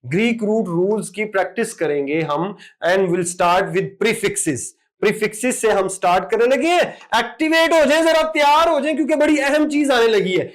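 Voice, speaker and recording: A man teaching exam vocabulary, drilling word after word in an animated lecture. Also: high voice, moderate pace, few pauses. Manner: lively, emphatic word-drilling with repeated "ठीक है".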